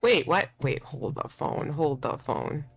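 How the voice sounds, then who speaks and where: In a low, creaky voice with a breathy edge, a woman speaks slowly and expressively while playing a visual novel. She reads the game's dialogue aloud and thinks out loud in playful, slangy let's-play commentary.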